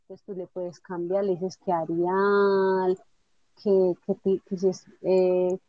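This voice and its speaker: A woman teaching a software tutorial step by step, patiently checking that her student follows along. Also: on the low side, flat delivery, takes it slowly, no room sound. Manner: patient, explanatory, checks understanding with tag questions. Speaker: instructor. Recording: dull lo-fi dry audio.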